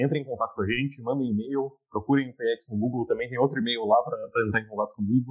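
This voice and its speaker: At a very fast pace with hardly any pauses, a man talks at a medium pitch with fairly even intonation. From Porto Alegre, southern Brazil. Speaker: export program advisor. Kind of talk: interview conversation. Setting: recording from home. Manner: halting, many repetitions.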